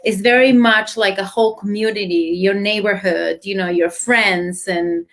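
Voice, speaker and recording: A young woman with an Argentine Spanish accent answers interview questions in an easy, chatty way. She talks at a middling pitch, with plenty of "um" and "like" as she goes. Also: moderate pace. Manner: relaxed and chatty, many fillers. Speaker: guest, dancer. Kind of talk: casual interview chat.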